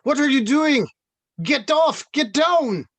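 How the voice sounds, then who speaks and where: A man's voice: very high voice, animated, takes it slowly, a bit bright, no echo, exaggerated voice. A man playing a furious, distraught bearded villager in his forties in a screenplay table read.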